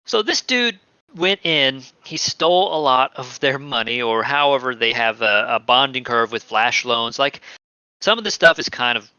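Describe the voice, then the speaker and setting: A man hosting a casual crypto streaming show, chatty and animated, often laughing. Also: mid-range voice, moderate pace, smooth, no room sound, lo-fi sound. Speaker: podcast host.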